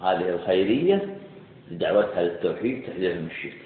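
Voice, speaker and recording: A man from Saudi Arabia preaching a religious lecture in short phrases, pausing between them for his interpreter. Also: low-pitched, sing-song, a little hiss or hum. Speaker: Islamic preacher. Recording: tinny, echoey hall from far off.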